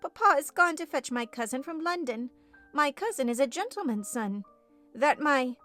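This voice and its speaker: A woman's voice: high-pitched, sing-song, moderate pace, a bit bright, soft background music, pitched above the performer's own voice. A woman voicing a spoiled, imperious and petulant young girl in an audiobook, easily upset and indignant. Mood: distressed. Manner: haughty, petulant, demanding. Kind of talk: audiobook character voice.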